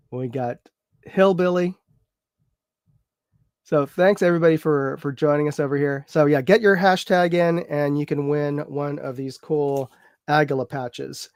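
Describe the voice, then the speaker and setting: A man's voice: on the high side, darkish tone, clean tone, no echo, studio quality. A man hosting a live chat show, talking casually and rambling a bit, congested from a cold. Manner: rambling, filler-heavy, chatty with viewers.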